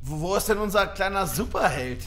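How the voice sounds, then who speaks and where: An actor playing a nervy, grumbling young gang member who stammers and talks in slang in an audio drama. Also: male voice, high voice, expressive, fairly quick, fairly bright tone, slight background noise. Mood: grumbling, uneasy. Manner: stammering, repeats first words, slangy. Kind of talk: German audio drama acting.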